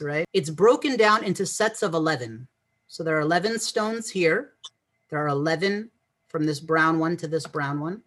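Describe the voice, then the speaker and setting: Man, husky voice, earnest podcast guest, explains patiently, repeats himself mid-thought. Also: a little high, fairly bright tone. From Egyptian family, raised English-speaking. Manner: earnest, explanatory, repeats words while thinking. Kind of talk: podcast interview.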